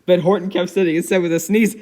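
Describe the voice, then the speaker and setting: A woman's voice: on the low side, steady tone, fast talker, darkish tone. A woman giving a dramatic, playful reading of a children's storybook, given to giggling. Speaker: story reader.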